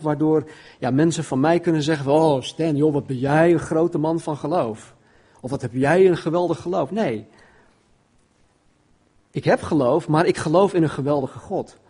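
A man's voice: a little high, darkish tone, husky. A man preaching an informal sermon and reading Bible passages aloud, often stumbling and repeating words as he talks.

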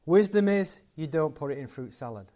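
A man's voice: fairly high pitch, expressive, moderate pace, mellow. A man giving a closing sermon and prayer to a live gathering, conversational and building to emphatic points. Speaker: guest preacher.

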